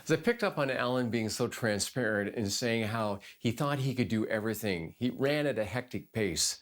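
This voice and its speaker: A man hosting a Christian talk show, interviewing guests and reflecting pastorally on faith, quoting scripture at a slow, measured pace. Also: medium pitch.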